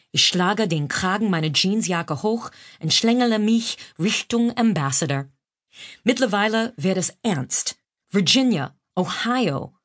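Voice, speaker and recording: A woman with an American accent, a native English speaker, reading her own humorous memoir in German and mixing in English phrases. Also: mid-range voice. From United States. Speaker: author narrating her own audiobook.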